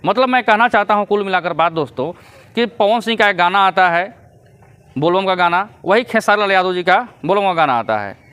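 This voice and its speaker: A man's voice: high-pitched, lively intonation, a little fast, pushed and bright, clean tone. A man giving casual vlog commentary, lecturing his viewers and chuckling between points. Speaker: YouTube commentator.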